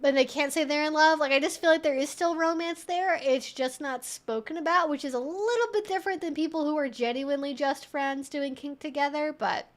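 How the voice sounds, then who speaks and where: A woman's voice: high-pitched, a little fast, few pauses. A woman hosting a casual live Q&A, thinking aloud in a rambling, amused way as she reads things out and reacts. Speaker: livestream host and kink educator.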